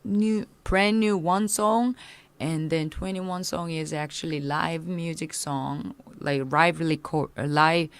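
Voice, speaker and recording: A Korean-speaking woman in her thirties talks in English as a punk musician guest in a casual interview, halting and full of fillers and restarts. Her voice sits low with fairly even intonation, and the recording is dry.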